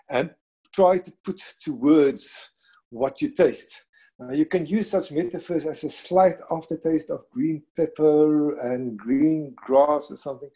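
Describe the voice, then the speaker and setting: A middle-aged man with a non-native English accent, speaking thoughtfully in a conversation, with frequent restarts and pauses. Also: on the high side, dark tone, slightly rough. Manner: thoughtful, halting, with many restarts. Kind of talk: conversational discussion.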